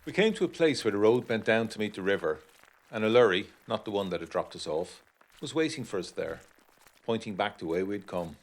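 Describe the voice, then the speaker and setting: Low, brooding male narrator. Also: animated. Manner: measured, brooding, literary storytelling. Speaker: first-person narrator of an audio drama. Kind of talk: scripted dramatic narration.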